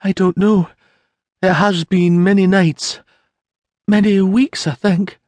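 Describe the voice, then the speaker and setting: A man voicing a grieving young peasant mother, tearful and humble, speaking in halting, broken phrases. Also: high-pitched, steady tone, a little mellow, dry recording, voice pushed up.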